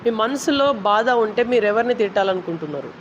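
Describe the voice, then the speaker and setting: A man's voice: high voice, animated, quick pace. A man with a Telangana Telugu accent, a reporter probing interviewees in a street interview, pressing for names. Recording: dull lo-fi outdoor audio with traffic noise.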